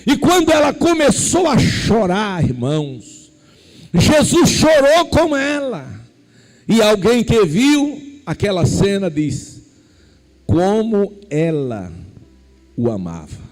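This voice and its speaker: A male pastor delivers a sermon, his fairly high voice leaping widely between hushed asides and shouted lines. He unhurriedly tells the story, letting each phrase land. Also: takes it slowly, low-quality recording. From Brazil. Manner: animated storytelling preaching, swinging from quiet asides to shouted emphasis.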